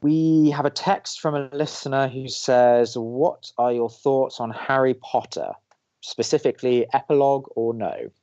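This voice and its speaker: A man's voice: mid-range voice, lively intonation, measured pace, warm tone, dull audio. Dry, awkward young college radio guy. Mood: dry, opinionated. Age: young adult. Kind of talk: audio drama, bantering radio show.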